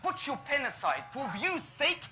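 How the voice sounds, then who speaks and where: Taunting Russian-accented battle rapper, high voice. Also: male voice, huge pitch swings, moderate pace, sharp tone, faint music behind. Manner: taunting, punchy delivery. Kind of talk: rap battle verses.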